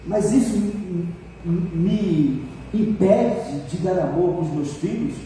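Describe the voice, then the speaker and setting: An older pastor with a Brazilian accent delivers a folksy, teasing sermon and keeps asking the congregation to answer him. His voice sits high yet sounds mellow. It reaches the mic from far off through a long, echoing hall with faint noise behind. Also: slow. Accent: Brazilian Portuguese. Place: church hall.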